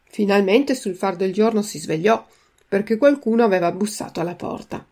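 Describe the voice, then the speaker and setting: Brief: woman narrator, gravelly voice, storybook read-aloud for learners, careful diction. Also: medium pitch, mellow. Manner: slow, careful enunciation. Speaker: reader and language teacher. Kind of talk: storybook reading with vocabulary drill.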